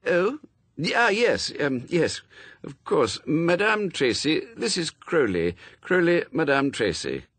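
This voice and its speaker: A man's voice: a little high, big pitch swings, slow, fairly bright tone, no echo, pitched above the performer's own voice, heavily acted. A man voicing a fussy, well-meaning, flustered angel with polite, old-fashioned manners in an audiobook.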